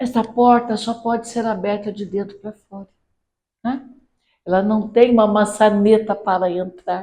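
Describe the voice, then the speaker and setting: Her voice has a medium pitch and a dark, mellow tone. The woman talks at a very slow pace with fairly even intonation. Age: 70s. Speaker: spiritist lecturer. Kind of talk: religious lecture. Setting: lecture hall with live audience, streamed. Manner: conversational.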